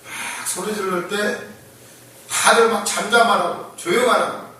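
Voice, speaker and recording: A man gives a lively, conversational sermon, acting out the shouting in the story he tells and often breaking into laughter. His voice sits high and bright for a man. He is recorded from a distance in a very echoey church, with faint room ambience behind him. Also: unhurried. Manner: animated, acts out the blind men's shouting, laughs often. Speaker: preacher. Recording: echoey room, voice from far off the mic.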